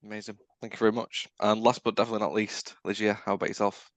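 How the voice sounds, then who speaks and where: Low-voiced man hosting a roundtable. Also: little pitch movement, rapid-fire, dry recording. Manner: friendly, rambling framing of questions. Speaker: podcast host, recruiter. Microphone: video call.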